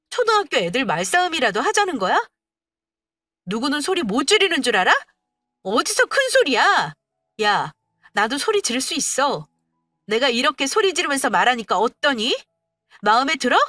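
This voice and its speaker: A woman's voice: sits high, big pitch swings, brisk, no room sound, studio quality, soft background music, pitched above the performer's own voice, full character voice. A woman playing a fierce wife snapping back. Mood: furious retorts. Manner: sharp, cutting retorts.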